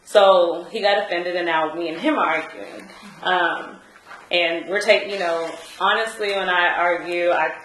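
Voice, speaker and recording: A woman's voice: fairly low pitch, steady tone, unhurried, fairly bright tone, reverberant, slight background noise, rough recording. A woman giving hesitant courtroom testimony, full of fillers and restarts. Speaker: trial witness.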